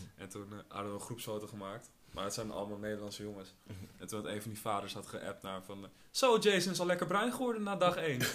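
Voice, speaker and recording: Very fast delivery with lively intonation and big swings in loudness. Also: man, fairly low pitch for a man. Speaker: podcast co-host. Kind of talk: casual chat.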